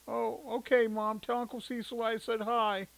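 A man voicing Jimmy, a curious thirteen-year-old boy, in a high, eager voice. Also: little pitch movement, moderate pace, creaky, a bit bright, exaggerated voice, poor audio. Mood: worried.

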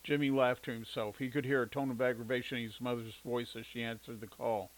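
A man narrating a story in an even, steady reading voice. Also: medium pitch, fairly quick, rough recording.

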